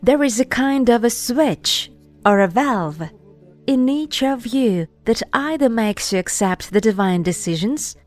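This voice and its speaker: Female narrator for spiritual video: very slow, deliberate scripted read, soft music bed behind. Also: a little high, animated. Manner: measured, deliberate, phrase-by-phrase reading with pauses. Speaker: narrator reading an article.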